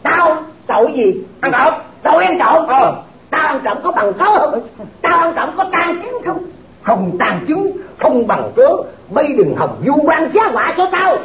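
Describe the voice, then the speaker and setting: A blustering blind fortune-teller, Southern Vietnamese. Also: male voice, very high-pitched, big pitch swings, unhurried, heavily acted. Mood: defiant. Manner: defiant, blustering, sing-song drawl. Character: boastful blind male fortune-teller accused of theft. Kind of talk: cải lương comedy stage acting. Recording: roomy, dull recording with faint music.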